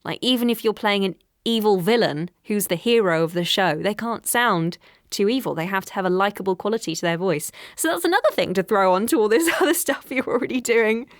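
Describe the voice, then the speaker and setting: A woman voice actor talking openly about her work in a relaxed interview. She is animated, laughs easily, and dips into character voices along the way. The sound is dry and close. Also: medium pitch, brisk, no room sound. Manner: animated and candid, laughs often, slips into voices. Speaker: voice actor, podcast guest. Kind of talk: conversational interview.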